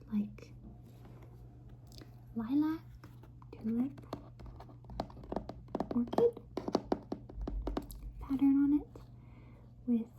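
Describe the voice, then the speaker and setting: A woman speaks at a very slow pace with long, frequent pauses. Noticeable background noise can be heard. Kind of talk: ASMR show and tell.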